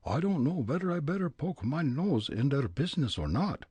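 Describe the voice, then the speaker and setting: A man's voice: on the high side, big pitch swings, moderate pace, a little mellow, slightly rough, no echo, voice pushed up. A man reading a story and voicing a young German immigrant detective in a put-on German accent and folksy broken English. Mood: wary.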